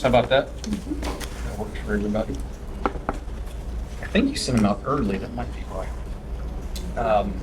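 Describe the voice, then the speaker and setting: A man's voice: medium pitch, noisy background. A man chairing a public meeting, folksy in small talk and pointed when he questions. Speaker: committee chair. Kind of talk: public meeting, leading agenda.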